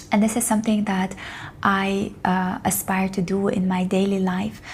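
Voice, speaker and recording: A woman in a non-native accent speaks in a somewhat breathy voice with monotone, flat intonation. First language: not English. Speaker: etiquette consultant. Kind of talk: vlog talk to camera. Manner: hesitant, with filler sounds.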